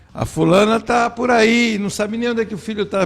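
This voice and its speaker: A man talks at a fairly quick pace. Music sounds in the background. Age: 60s. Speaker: business association president. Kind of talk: radio talk show discussion. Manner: animated.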